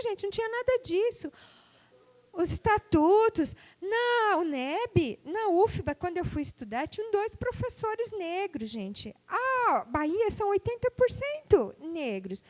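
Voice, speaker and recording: A middle-aged woman from Brazil, a university professor giving a conversational conference lecture with rhetorical and tag questions. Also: extremely high pitch.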